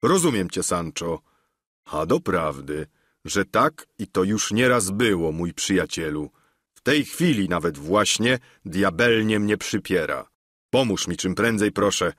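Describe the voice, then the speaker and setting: A man voicing an old, deluded knight who speaks slowly and solemnly. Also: lively intonation, a bit bright, dry recording, studio quality, heavily acted. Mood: earnest. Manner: slow, solemn, low and measured.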